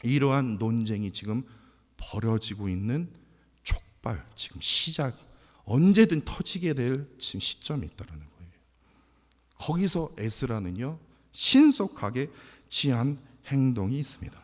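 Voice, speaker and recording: A man preaching a sermon as pastor, animated, jumping from loud outbursts to hushed near-whispers. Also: medium pitch, a little slow. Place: church sanctuary. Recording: long hall reverb.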